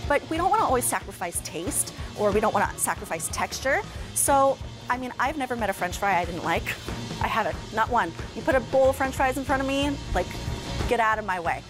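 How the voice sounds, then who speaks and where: A middle-aged woman hosting live infomercial-style shopping television, chatty and self-deprecating as she pitches and demonstrates. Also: animated, fast talker, music in the background. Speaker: shopping channel host. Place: TV studio kitchen set.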